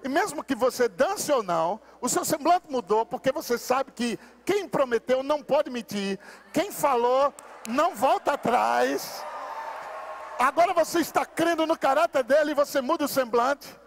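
High-voiced Brazilian pastor shouting praise. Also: male voice, expressive, normal speed. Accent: Brazilian Portuguese. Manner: fervent, shouts exhortations to the congregation. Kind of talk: preaching a sermon. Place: church service.

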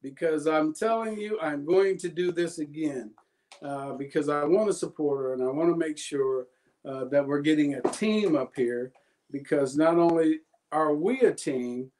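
A man presenting a live jewelry sale in a casual, jokey way, sleepy and yawning, calling out items with loud exclamations. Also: a little high, moderate pace. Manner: jokey, self-deprecating, announces items with exclamations. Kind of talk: casual live sales pitch.

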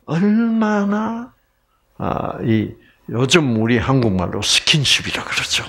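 A man from Gyeongsang Province giving a lively Bible lecture, often quizzing his audience. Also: mid-range voice, slow, creaky. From Gyeongsang Province, Korea. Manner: animated, keeps quizzing the audience.

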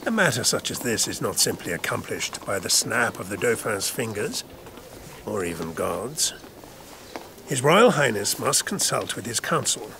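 An actor playing a worldly, patronising royal chamberlain in an audio drama, speaking in measured, formal courtly phrases. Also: male voice, lowish voice, big pitch swings, creaky, pushed and bright, a little hiss or hum, heavily acted. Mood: smoothly patronising.

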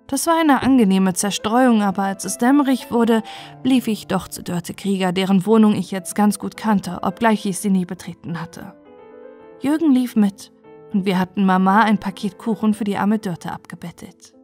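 A woman storyteller narrating a bedtime story in a calm, gentle way. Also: medium pitch, normal speed, soft background music.

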